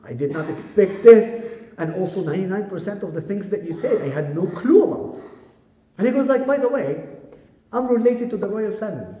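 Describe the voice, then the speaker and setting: Brief: young Israeli Arab man, fairly high but mellow voice, lively storytelling speech, reverberant hall. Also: a little fast. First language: Arabic. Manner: animated storyteller, acts out quoted voices. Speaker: speaker at a community event. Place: large synagogue hall. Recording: echoey hall with long reverb.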